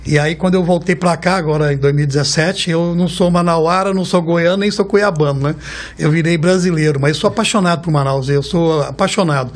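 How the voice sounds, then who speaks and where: A man's voice: a little high, brisk. Chatty Brazilian man in his fifties. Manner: chatty, warm storytelling, keeps tagging phrases with a questioning "right?". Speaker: guest, car rental executive. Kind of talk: casual interview talk.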